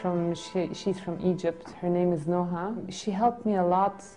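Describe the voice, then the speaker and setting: Young woman, reflective interview testimony, low-ish warm voice, light music bed. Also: fairly even intonation, normal speed, low-quality recording. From Greek family, born in Germany. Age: 20s. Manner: reflective, soft, with frequent restarts. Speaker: interviewee telling her story. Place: indoor studio set with red curtains.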